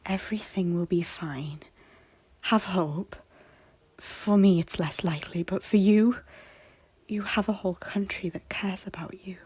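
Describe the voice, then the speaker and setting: A woman plays a former schemer of noble birth, now full of guilt and hope. Her mid-range voice is heavily breathy, often close to a hush. She pleads earnestly in the formal language of a theatrical audio drama. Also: mid-range voice, a little slow, no echo. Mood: earnest reassurance. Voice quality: breathy, husky. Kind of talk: audio drama acting of a Shakespeare-style story.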